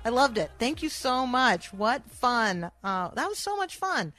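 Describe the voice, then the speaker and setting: A woman's voice: a little high, very animated, a little slow, a bit bright, faint music behind. A woman hosting a Christian radio show in a casual, conversational way, chatty and encouraging as she addresses listeners directly.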